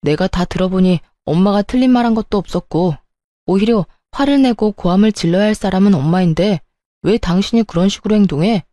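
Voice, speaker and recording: A woman's voice: mid-range voice, a little fast, dark tone, dry recording, studio quality, close to an everyday voice. A woman voicing an angry, bossy husband who takes his mother's side, speaking in an accusing, demanding way in a narrated story. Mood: stern, accusing.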